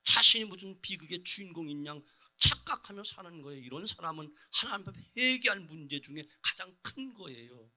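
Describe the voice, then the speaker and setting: A middle-aged man, a senior pastor, preaching a sermon in church, moving between quiet low asides and loud, urgent appeals to the congregation. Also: expressive, brisk, a little hiss or hum. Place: church sanctuary.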